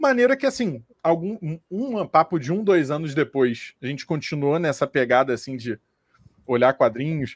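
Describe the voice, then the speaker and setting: Speaking at a moderate pace with a Rio de Janeiro accent, a man uses a fairly high pitch and very wide pitch swings, recorded with a dry sound with no echo against a quiet background. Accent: Carioca Brazilian Portuguese. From Rio de Janeiro, Brazil. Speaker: comic book editor. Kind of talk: casual chat. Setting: livestream. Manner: animated. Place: home room. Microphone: studio mic.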